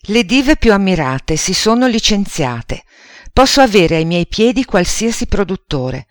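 A man voicing a vain, plump old aunt in a storybook reading, loud and boastful. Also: high voice, big pitch swings, measured pace, dry recording, clean studio sound, voice pushed up. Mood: vain boasting. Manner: boastful and shouting.

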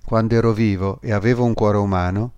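A man voicing a sad, gentle golden prince statue in a fairy tale, recounting calmly. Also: lowish voice, fairly quick, clear, resonant tone, no echo, lo-fi sound, lightly acted. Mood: sorrowful.

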